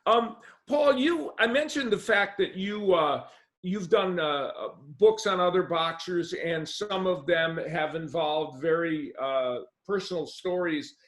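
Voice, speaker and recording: A man hosts a conversational interview, his voice sitting notably high for a man. He loops back and rephrases his questions as he talks. The room around him adds a clear echo. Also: measured pace, a bit bright. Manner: rambling, restarts questions often. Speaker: interviewer and host. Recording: roomy echo.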